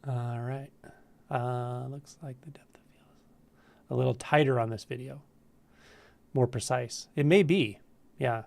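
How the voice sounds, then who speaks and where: A man with a cold and a stuffy voice, hosting a casual live Q&A stream, greeting viewers in a relaxed, friendly way with frequent ums. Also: medium pitch, unhurried, vocal fry, pauses often. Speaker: spiritual teacher hosting a live Q&A. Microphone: camera livestream setup.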